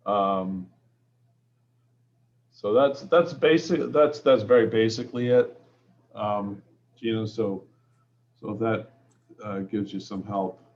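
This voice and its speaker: A man with a Boston-area accent speaking at a town commission meeting, halting with many fillers. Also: fairly low pitch, a little mellow. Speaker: commission member. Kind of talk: casual meeting talk. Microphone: video call. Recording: muffled video call audio.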